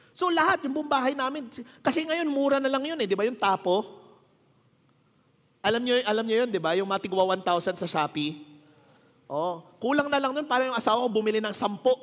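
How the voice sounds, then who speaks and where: His voice sits high and a bit bright, echoing in a large hall as this Filipino-accented pastor in his thirties preaches casually. He tells stories, jokes on the side, and mixes Tagalog and English, all while sounding weary and strained from short sleep.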